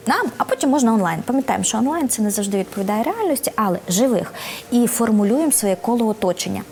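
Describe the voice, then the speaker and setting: A woman giving practical advice as an interview guest, often checking in with a quick "right?". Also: on the high side. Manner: lively advice-giving with frequent "да?" check-ins.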